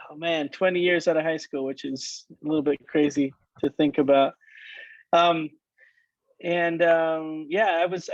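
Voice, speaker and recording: Higher-voiced man, chatty and halting. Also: no room sound, lo-fi sound. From Michigan, United States. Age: late 30s. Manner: halting, many restarts and fillers. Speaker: worship leader guest. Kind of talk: casual conversation.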